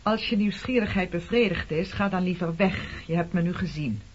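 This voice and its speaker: An actress in a Dutch radio play playing a bitter, defiant middle-aged woman who speaks reproachfully with a sharp tongue. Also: on the low side, normal speed, husky. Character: bitter, defiant woman confronting an old comrade. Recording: dull, muffled radio play recording.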